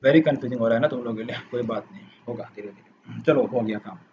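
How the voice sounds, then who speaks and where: A man's voice: mid-range voice, brisk, a little mellow. A man teaching a programming class, talking patiently and repeating steps as he types code, with a dull lo-fi sound and faint noise. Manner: patient, repeats and rephrases while explaining. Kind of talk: coding lesson walkthrough.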